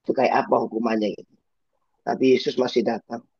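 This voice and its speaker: A man preaching as a pastor, in a lively, chatty way full of rhetorical asides. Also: mid-range voice, quick pace, slightly rough, no room sound. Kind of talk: sermon. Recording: dull muffled sound.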